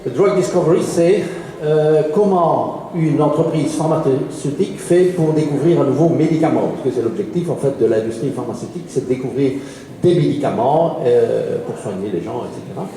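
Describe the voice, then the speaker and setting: Belgian lecturer from Liège, fifties, man, deep mellow tone, hesitant with fillers, heavy hall echo. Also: normal speed, a little hiss or hum. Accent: Liège Belgian French. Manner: hesitant, frequent fillers, chuckles between points. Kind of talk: public lecture. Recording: echoey hall with long reverb.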